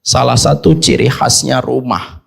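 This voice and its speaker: A man preaching a sermon in an animated way, asking rhetorical questions and swinging between loud emphasis and soft asides. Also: mid-range voice, unhurried, gravelly, husky. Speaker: Islamic preacher.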